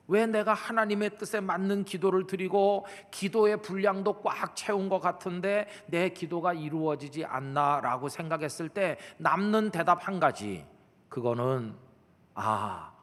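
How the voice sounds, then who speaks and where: A middle-aged man preaches to his congregation in a large sanctuary, and his words ring out with a long reverb. His voice sits a little high for a man. He keeps a conversational pastor's tone and slips into acted prayers and church members' pleas. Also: a bit bright. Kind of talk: sermon.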